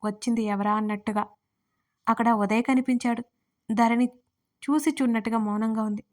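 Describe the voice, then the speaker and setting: A woman, the writer and narrator, reading an audio story in a steady, even storytelling manner. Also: a little high, moderate pace.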